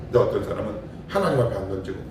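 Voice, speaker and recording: Male pastor, low voice, punchy sermon with rhetorical questions; distant mic, faint background noise. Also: very animated, very fast. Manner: emphatic, asks the congregation rhetorical questions. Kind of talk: sermon at a morning prayer meeting. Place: church sanctuary. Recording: very echoey hall, mic far off, faint noise.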